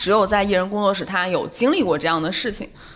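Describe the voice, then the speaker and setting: A woman with a medium-pitched voice talks very quickly. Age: 20s. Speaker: podcast panelist on career break. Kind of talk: casual chat.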